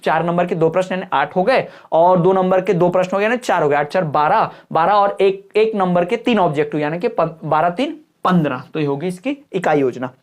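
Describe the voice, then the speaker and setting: A woman teacher giving an exam-prep lecture, often asking if things are clear and adding up marks aloud. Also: lowish voice, fairly quick, few pauses.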